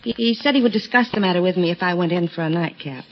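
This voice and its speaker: An actress playing an earnest secretary and sidekick who stammers slightly, in 1940s radio drama style. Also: female voice, fairly low pitch, fast, slight background noise, lightly acted. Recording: dull lo-fi old radio recording.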